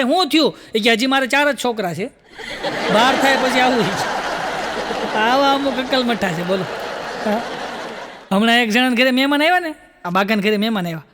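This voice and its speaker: A man's voice: very high-pitched, bright, forceful tone, in a large hall. A male comedian telling stage jokes in a punchy way, repeating the catchphrase.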